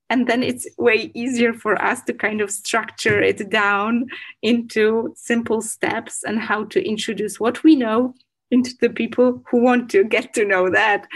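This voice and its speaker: Chatty woman host, slightly high voice. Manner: chatty, frequent "you know" and "like". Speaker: podcast host. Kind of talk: conversational interview.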